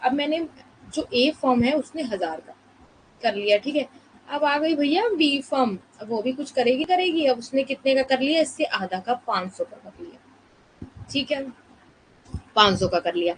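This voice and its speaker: A woman teaching a live online class, explaining slowly and softly with many rhetorical questions while she is fasting and low on energy. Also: lively intonation, a little hiss or hum, low-quality recording.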